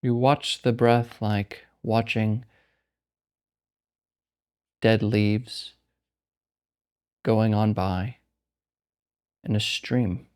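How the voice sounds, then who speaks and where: A man leading a guided meditation as a teacher, speaking calmly and unhurriedly with long pauses. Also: on the low side, smooth.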